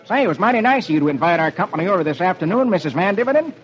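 A man's voice: sits high, lively intonation, very fast, faint music behind, pitched above the performer's own voice. A man voicing a friendly, eager young soldier in a folksy, upbeat manner, on a dull old radio recording.

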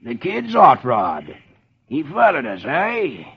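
A man voicing a big, cruel male crook who talks slowly and gloats, on an old radio broadcast. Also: fairly high pitch, huge pitch swings, highs cut off, full character voice. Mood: gloating. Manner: gravelly, slow, gloating.

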